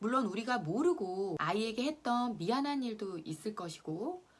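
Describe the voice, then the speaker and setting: Over noticeable background noise, a woman speaks at a fairly slow pace. Her tone is calm and gentle. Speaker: psychological counselor. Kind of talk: talk to camera advice. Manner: calm, gentle.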